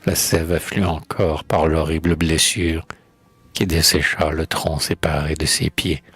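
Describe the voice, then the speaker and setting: Very deep, husky man reciting solemn poetry. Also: fairly even intonation, a bit bright, no room sound. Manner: declamatory, elegiac, measured phrasing. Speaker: poetry reader.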